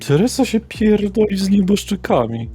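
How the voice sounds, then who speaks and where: A man's voice: high voice, very animated, moderate pace, dark tone. A man voicing a vain, catty, foul-mouthed vampire socialite woman in a theatrical way for a tabletop game. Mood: catty, scornful. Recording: music behind the voice.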